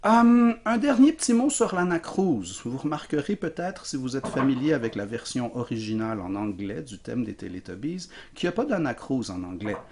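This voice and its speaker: A man's voice: medium pitch, sing-song, moderate pace, few pauses, noisy background. A man giving a recorded music theory lecture, explaining patiently with frequent fillers. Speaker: music teacher.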